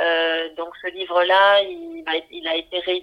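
Her fairly low voice stays monotone, the intonation flat throughout. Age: 40s. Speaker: naturopath and yoga teacher. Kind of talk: interview.

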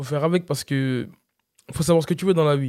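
Speaking very fast, a man uses a fairly high pitch, a dark, mellow tone and fairly even intonation in a dry, close sound with no echo. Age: 20s. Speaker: professional MMA fighter. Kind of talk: casual interview. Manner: calm.

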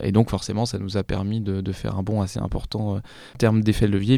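The tone is dark and mellow, the pace fairly quick, and the intonation fairly even. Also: man. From Champagne, France. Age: 30s. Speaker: radiologist and property investor. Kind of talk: podcast interview.

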